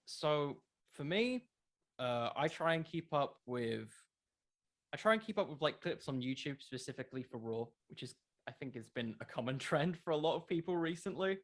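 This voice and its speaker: A man's voice: a little high, expressive, moderate pace. A man who makes a podcast, answering in a casual interview, explaining his views with plenty of qualifiers. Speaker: podcast creator being interviewed.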